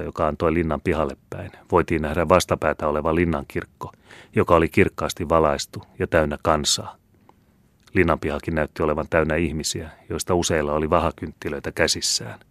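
A man reading an audiobook in a measured, even storytelling manner. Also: a bass voice, dry recording. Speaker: audiobook reader. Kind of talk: audiobook narration.

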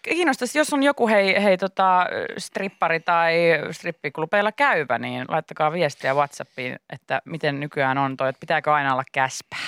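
A woman's voice: low voice, hardly any pauses, clear, resonant tone, no echo. A young woman hosting a morning radio show, chatting casually and telling a funny story with frequent laughs. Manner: animated storytelling, laughs often. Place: radio studio. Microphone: studio microphone.

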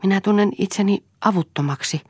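A woman's voice: low-pitched, warm tone, no echo, studio quality, pitched above the performer's own voice, natural voice. A woman reading aloud and voicing a grieving, helpless widow.

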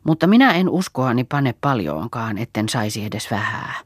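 A woman voicing a devout, quiet young peasant woman in an audiobook. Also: very deep voice, sing-song, no echo, studio quality, heavily acted. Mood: earnest.

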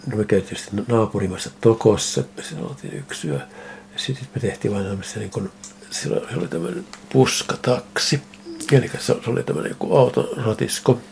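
An older male ceramic artist tells his stories with animated energy, acting out the exchanges he remembers. His voice sits low with a gravelly edge, over a faint background hiss. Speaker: ceramic artist interviewed about his photos. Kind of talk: casual storytelling interview.

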